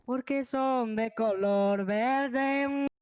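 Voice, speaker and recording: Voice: medium pitch, drawn-out words, smooth, dry recording, highs cut off. A person play-acting in an improvised gaming roleplay with friends, pleading and dramatic, over online voice chat.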